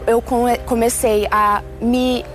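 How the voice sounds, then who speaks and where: Swiss-born woman in her twenties, earnest testimony, slightly high voice, faint music bed. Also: level tone. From Switzerland. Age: 20s. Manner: earnest, measured storytelling. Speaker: testimony speaker. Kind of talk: personal testimony. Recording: soft music underneath.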